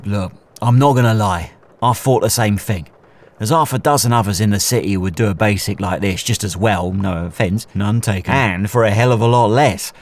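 An actor playing an assassin's chatty, blunt British sidekick in an audio drama, with an informal, matey manner. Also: male voice, on the low side, lightly acted. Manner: informal, matey, jokey, sweary.

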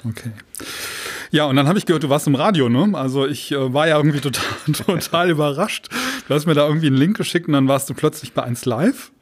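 Slightly husky, higher-pitched male podcast host. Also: fast talker. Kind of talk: casual podcast hosting.

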